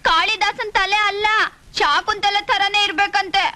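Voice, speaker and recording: A woman's voice: extremely high pitch, normal speed, bright, forceful tone, a little hiss or hum. An actress playing a naive young village girl who talks in a childlike, pleading way. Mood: earnest.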